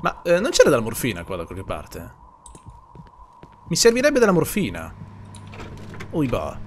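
A man's voice: mid-range voice, huge pitch swings, normal speed, a little hiss or hum. A young man streams a horror game, jittery and swearing as he talks to chat. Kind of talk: horror game let's play.

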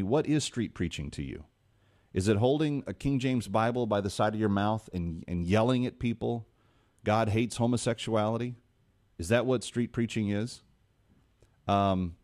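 A man in his forties hosting a call-in radio talk show from a studio, talking earnestly with frequent restarts. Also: on the low side. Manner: earnest, animated hand gestures, many restarts. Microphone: studio boom mic.

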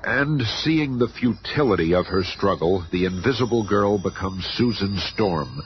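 A man's voice: on the low side, lively intonation, measured pace, slight background noise. A man acting as the solemn, dramatic storyteller of a monster adventure, narrating radio drama with portentous suspense. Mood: ominous. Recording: muffled radio recording under loud music.

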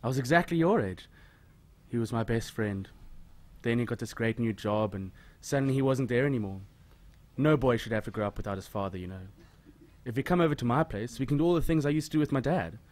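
A man acting in an audio drama as a smooth, coaxing adult who is befriending a boy. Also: medium pitch, lively intonation, fairly quick, darkish tone, natural voice.

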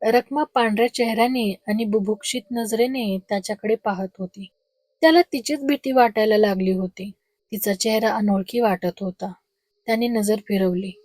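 A female storyteller reading a horror story with slow, suspenseful narration. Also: medium pitch, darkish tone, no room sound.

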